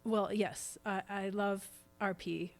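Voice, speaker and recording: A woman's voice: mid-range voice, steady tone, slow, gravelly. A woman talking as a guest on a podcast in a chatty, casual way, explaining things as she goes. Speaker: guest, stage actress. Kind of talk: casual podcast interview chat.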